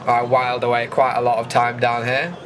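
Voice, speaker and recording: A man's voice: mid-range voice, little pitch movement, fairly quick, background noise. A man with a British accent giving a chatty, informal voice-over commentary as a vlogger recapping an event. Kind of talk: casual voice-over commentary on footage.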